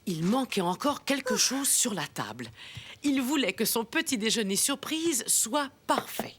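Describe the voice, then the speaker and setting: A woman playing a kindly storyteller, narrating a children's cartoon in a gentle, expressive way. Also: on the high side, measured pace, slightly rough, exaggerated voice. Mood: gently narrating. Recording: music behind the voice.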